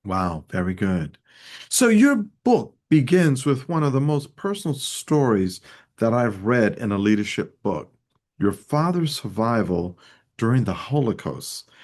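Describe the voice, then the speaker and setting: A man hosting a leadership interview show, opening with a formal, measured scripted introduction. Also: mid-range voice, big pitch swings, darkish tone. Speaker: show host.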